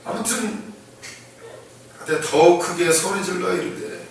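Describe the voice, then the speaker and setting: A man preaching a conversational sermon to a congregation, acting out the blind men's shouting and laughing often as he tells the story. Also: high voice, a little slow, vocal fry, a little hiss or hum. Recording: echoey room, voice from far off the mic.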